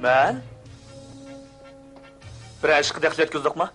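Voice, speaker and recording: A man voicing a brave young male hero in a cartoon dub, talking briskly and earnestly. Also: a little high, a bit bright, soft background music.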